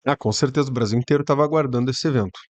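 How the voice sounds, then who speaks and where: A man's voice: mid-range voice, rapid-fire. A man hosting a reaction video, commenting casually and sarcastically on a sermon. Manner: sarcastic, chatty asides. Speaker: YouTube reaction host.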